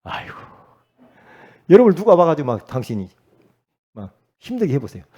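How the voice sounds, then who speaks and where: A middle-aged male pastor preaching, emphatic, swinging from loud exclamations to low asides and quizzing his congregation. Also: very animated, normal speed, slightly rough. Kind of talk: sermon.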